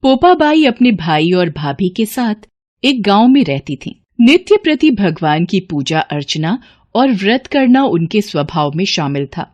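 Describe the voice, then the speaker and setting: A woman tells a devotional folk tale in a steady, gentle narrating voice. Her pitch sits in an ordinary middle range, and she reads like a practiced storyteller. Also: measured pace. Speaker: storyteller voicing the women.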